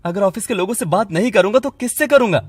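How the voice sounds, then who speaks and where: A performer voicing a patient young husband in a cartoon, soft, pleading and reasonable. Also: medium pitch, expressive, fast, slight background noise, natural voice.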